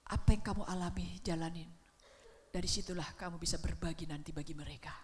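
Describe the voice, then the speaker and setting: A middle-aged woman preaching a sermon in a church, swinging between hushed whispers and shouts. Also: fairly low pitch, fast talker, big-room sound, a little hiss or hum.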